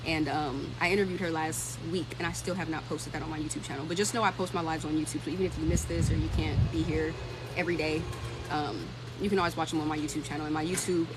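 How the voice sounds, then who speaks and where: Quick and steady, her low-pitched voice carries over a noisy background. She's a thirty-year-old tech career content creator hosting a relaxed livestream, answering comments informally while thinking aloud.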